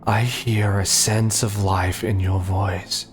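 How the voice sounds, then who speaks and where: Gothic horror cult leader, male narrator in character: low, haunting, unhurried, archaic, menacing authority. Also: flat delivery, soft background music. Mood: ominous, demanding. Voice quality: deep, haunting. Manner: slow, solemn, archaic, menacing. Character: sinister commanding male cult leader in doe mask.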